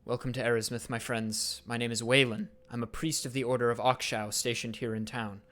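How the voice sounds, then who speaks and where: A man's voice: mid-range voice, flat delivery, brisk, a bit bright, natural voice. Guy doing tired kind priest npc, formal and polite, welcoming folks in. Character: weary kindly male town priest and leader.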